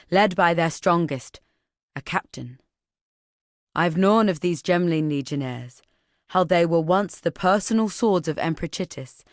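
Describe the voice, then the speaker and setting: A woman playing a solemn, watchful tribal woman in a video game, speaking in a measured, poetic, earnest storytelling way. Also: low-pitched, no room sound, clean studio sound. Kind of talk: scripted video game character dialogue.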